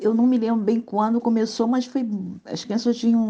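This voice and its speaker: A woman is speaking. Her tone is dark and mellow. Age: 60s. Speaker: retired artisan, benefit recipient. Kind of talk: interview testimony.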